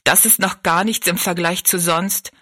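Woman playing a bitter, overworked kitchen maid, bright but husky, storybook. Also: lowish voice, steady tone, moderate pace. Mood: weary. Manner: tired, blunt, complaining.

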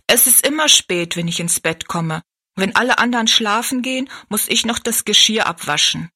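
A woman's voice: medium pitch, expressive, moderate pace, bright, forceful tone, slightly rough, pitched above the performer's own voice. A woman voicing a tired, bitter young kitchen maid who speaks bluntly and complains in a storybook reading. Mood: weary.

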